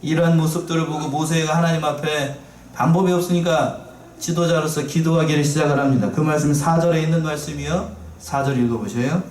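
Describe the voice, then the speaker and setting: A man's voice: fairly high pitch, fairly even intonation, fairly quick, darkish tone, far from the mic. Man preaching in an echoey church. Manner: preaches with rhetorical questions to the congregation; conversational, repeats key phrases. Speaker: pastor. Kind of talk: sermon. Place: church sanctuary.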